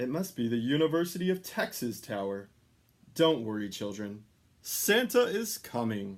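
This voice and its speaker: A man's booming put-on character voice at medium pitch, with very wide pitch swings and a moderate pace. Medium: read story. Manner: jolly, booming.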